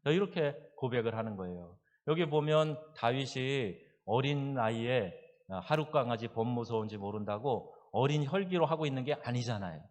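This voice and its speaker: A male pastor preaching a sermon, emphatic and building to loud exhortation. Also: mid-range voice, lively intonation, moderate pace, few pauses. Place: church sanctuary. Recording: church sanctuary with long reverb.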